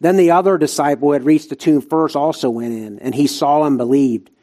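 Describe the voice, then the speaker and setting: A man's voice: on the high side, fairly quick, mellow. A man with an Appalachian, Southern US hillbilly accent preaching a sermon in emphatic short phrases, repeating himself and asking rhetorical questions.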